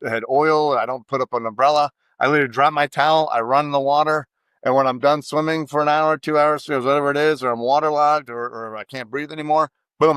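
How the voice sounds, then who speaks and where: A man's voice: mid-range voice, no room sound. An American man telling stories with emphasis in a casual podcast conversation. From United States. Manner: emphatic, animated storytelling.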